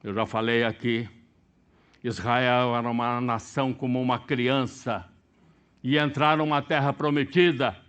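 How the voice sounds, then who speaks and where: A middle-aged man from Brazil delivers a sermon at an unhurried, weighty pace. His voice sits at a middle pitch but leaps up loud on emphatic points before falling back to soft, low remarks. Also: little pitch movement, clean tone. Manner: emphatic preaching with sudden loud high bursts and quiet asides. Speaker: pastor.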